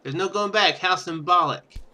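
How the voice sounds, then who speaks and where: A man giving casual let's-play commentary, rambling and thinking out loud as he plays. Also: sits high, moderate pace. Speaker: gaming video host. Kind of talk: casual let's-play commentary, reading game text aloud.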